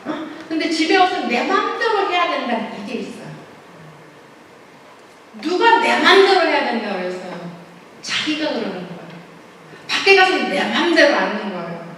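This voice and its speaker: A woman's voice: sits high, sing-song, moderate pace, a bit bright, slight background noise. A woman speaking as a guest pastoral counselor at a church lecture, chatty, acting out quoted voices and asking the audience questions. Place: large church sanctuary. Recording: echoey hall, voice from a distance.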